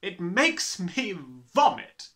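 A man voicing a gigantic, tyrannical headmistress in an audiobook, barking with slow, emphatic disgust and contempt. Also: very high voice, sing-song, bright, forceful tone, pitched above the performer's own voice, heavily acted.

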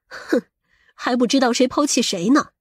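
A woman's voice: high voice, moderate pace, breathy edge, dry recording, studio quality. A woman playing a vain, scheming middle-aged mother in an audiobook, with a scolding, boastful and coarse-tongued manner. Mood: resentful, proud. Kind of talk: audiobook character acting.

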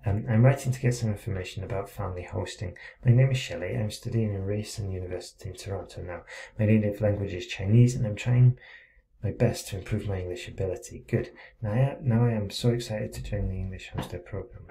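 Male English tutor, low and gravelly, warm-toned correction voice-over. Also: fast, low-quality recording. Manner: reads student text aloud, breaks off to comment; encouraging, frequent "okay?" check-ins. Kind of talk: essay correction screencast.

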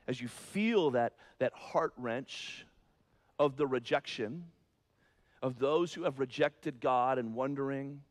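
A man preaching a sermon as pastor, moving between soft, low explanation and loud, high-pitched emphasis in an earnest, conversational way.

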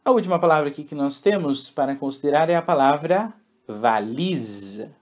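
A man's voice: a little high, lively intonation, moderate pace. A man teaching a recorded language lesson, repeating example words and checking in with tag questions.

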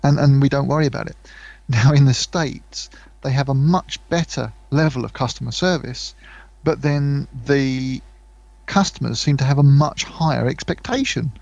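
Gravelly British man chatting casually. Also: mid-range voice, moderate pace, a little mellow, dry recording, dull audio. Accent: British English. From United Kingdom. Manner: rambling, many fillers and restarts; mimics voices for anecdotes. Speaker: podcast co-host. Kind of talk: casual chat.

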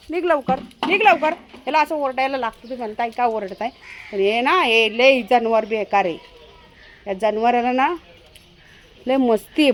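A woman's voice: a little high, slight background noise. A woman vlogging casually at home, chatting to viewers and often calling out sharply to her dog.

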